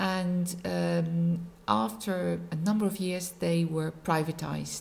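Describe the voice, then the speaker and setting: A woman speaks with a Dutch accent at a fairly low pitch. Noticeable background noise runs behind her. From Netherlands. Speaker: company boss. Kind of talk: radio interview, business chat.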